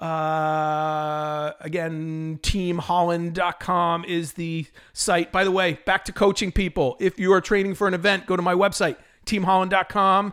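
A man's high-pitched voice at a fairly slow pace, on a very clean recording with a silent background. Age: 50s. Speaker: fitness podcast host and trainer. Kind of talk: casual solo podcast tip. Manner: animated; halting, repeats words.

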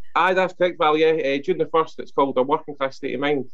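A man speaks with a Fife accent. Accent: Fife Scottish. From Scotland. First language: Scots. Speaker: writer. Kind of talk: casual radio interview.

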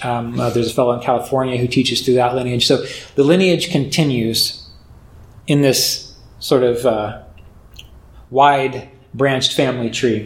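With an American accent, a man speaks at a medium pitch and a moderate pace, his voice somewhat breathy. His intonation is fairly even, and there is audible room echo. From West Virginia. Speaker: yoga and meditation teacher. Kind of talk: talk to a retreat group. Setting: retreat session with live audience. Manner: many fillers (um, uh).

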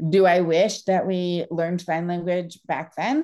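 With an ordinary speaking voice, a woman talks at a moderate pace and a fairly low pitch. The background is quiet. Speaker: pediatric audiologist. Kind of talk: casual interview chat.

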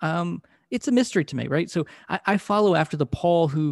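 Against a quiet background, a man with an American accent speaks in a plain, everyday voice at a fairly quick pace with ordinary pitch variation. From Texas. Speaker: author and podcast co-host. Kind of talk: interview conversation. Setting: video call.

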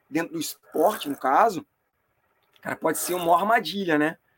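Speech comes at a moderate pace. Intonation stays lively, and the sound is dry and close with no echo. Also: man. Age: 40s. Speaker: running coach and former athlete. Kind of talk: casual chat.

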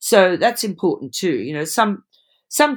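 In a very clean recording with a silent background, a woman with an Australian accent speaks at a moderate pace. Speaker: founder of a baby swimming school business. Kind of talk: interview.

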